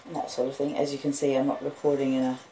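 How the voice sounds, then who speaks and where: A woman with an Australian accent chats casually as host of a livestreamed book reading, rambling along with halting pauses. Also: a bass voice, level tone, warm tone. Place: front room of a house with street noise. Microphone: phone and an old laptop. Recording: noisy home phone recording. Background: street noise, house creaks, puppy, lo-fi beats.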